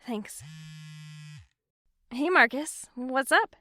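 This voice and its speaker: A young woman played by an actress with a fairly high voice. She is friendly and easygoing, a bookish type. Her delivery is natural and conversational, as in an audio drama. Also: lively intonation, extremely slow, pushed and bright, full character voice. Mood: playful, easygoing. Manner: casual, conversational.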